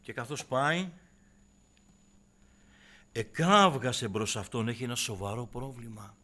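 Impassioned man preaching a sermon. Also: mid-range voice. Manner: swings from hushed, near-whispered asides to loud, impassioned exhortation; keeps addressing listeners as brothers and sisters.

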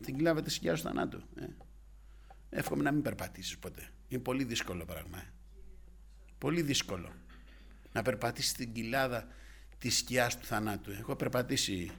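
Bright-voiced fervent male preacher. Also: medium pitch, vocal fry, pauses often, slightly rough. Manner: fervent, swings from hushed to loud, frequent interjections. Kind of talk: sermon.

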